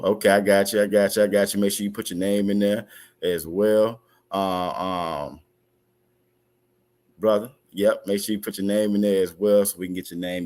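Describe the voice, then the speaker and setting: A man teaching an online religious class over a video call, halting, with many fillers and restarts. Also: low voice, a little mellow.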